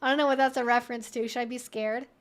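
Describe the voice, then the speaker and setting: Her voice is on the high side, steady in tone, and she talks quickly. She's a livestream host fielding viewer questions in a casual Q&A, rambling and chatty with plenty of informal asides.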